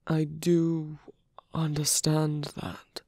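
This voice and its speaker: Very close and dry, a man acts out a wounded, gentlemanly villain in an ASMR audio roleplay. The voice is breathy with a gravelly creak, often fading to a whisper. He speaks slowly, politely and haltingly, weakened yet tender and wry. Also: fairly high pitch, completely flat delivery, no room sound. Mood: tender, hesitant. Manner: hesitant, halting, polite and formal. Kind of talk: intimate ASMR roleplay acting.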